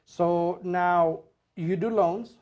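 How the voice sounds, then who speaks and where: A man co-hosting a casual podcast as a real estate agent, relaxed and chatty with many fillers. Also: high-pitched, very slow, lo-fi sound. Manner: relaxed, repeats himself, filler-heavy.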